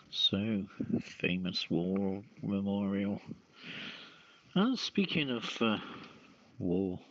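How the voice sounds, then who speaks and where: A man co-hosting an online radio show in casual chat, talking in a halting, deliberate way over a phone-like app connection. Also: fairly low pitch, fairly bright tone, no echo. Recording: phone-like two-way app audio.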